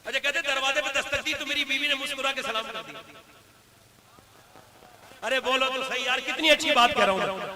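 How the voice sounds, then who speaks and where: Give me a fiery man preaching to a crowd, very high voice, pushing to shouts and calling for responses. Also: fairly even intonation, brisk, long pauses, a little hiss or hum. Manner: fiery, rises to shouting peaks. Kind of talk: sermon. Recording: live event with crowd behind.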